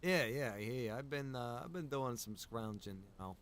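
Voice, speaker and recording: A man's voice: mid-range voice, lively intonation, moderate pace, a bit bright, slight background noise. A man improvising casual in-character chat in an online roleplay game, with a hesitant, easygoing manner. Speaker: roleplay game streamer playing a survivor.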